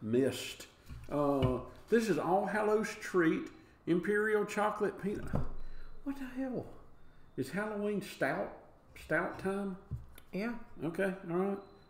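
The speech is very slow, with long, frequent pauses. Light background noise and audible room echo can be heard. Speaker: beer tasting host. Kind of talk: casual vlog chat. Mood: relaxed, jokey. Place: home room. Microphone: phone near.

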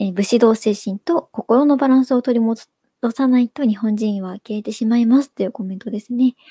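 A woman with a fairly high pitch and a dark, mellow tone talks at a fairly quick pace, with ordinary pitch variation, big swings in loudness and a dry, close sound with no echo. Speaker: live stream co-host. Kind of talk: casual chat. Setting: live stream, online.

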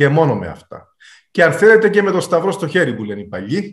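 Somewhat breathy speech with lively intonation carries audible room echo against a quiet background. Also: man. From Cyprus, Nicosia area; Cyprus. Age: 50s. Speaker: former TV executive, political candidate; candidate. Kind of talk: interview. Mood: earnest, persuasive. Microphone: video call.

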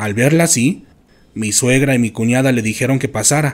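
With a dramatic tone and fairly even intonation, the man speaks at a medium pitch. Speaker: horror story narrator. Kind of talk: ghost story telling, reading listener-sent tales aloud in a hushed, suspenseful tone; scripted narration. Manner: slow, dramatic, eerie pacing that builds suspense.

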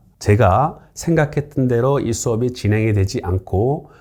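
This man's voice is medium-pitched, dark and mellow. It sounds somewhat breathy, with lively intonation. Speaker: university professor. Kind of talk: interview monologue.

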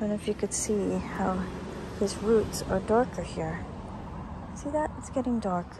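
The pace is fairly slow. The sound is dry with no echo, and there is noticeable background noise. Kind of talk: casual show-and-tell explanation. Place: garden. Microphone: phone near.

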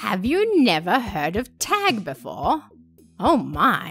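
Over music in the background, a put-on character voice with a fairly high pitch speaks at a very slow pace. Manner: fed up, incredulous.

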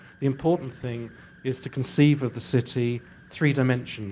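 A man with a British accent speaks in a dark, mellow tone with ordinary pitch variation, over light background noise. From England. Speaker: architect and historian. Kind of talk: live panel chat. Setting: studio. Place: hall. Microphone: handheld.

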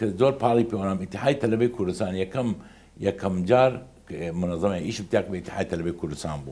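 A man with a fairly low voice speaks at a moderate pace. His tone is dark and mellow, his intonation lively. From Iraqi Kurdistan, Sulaymaniyah; Iraqi Kurdistan. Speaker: former diplomat and archivist; interview guest. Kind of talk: interview. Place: home room. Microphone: lapel.

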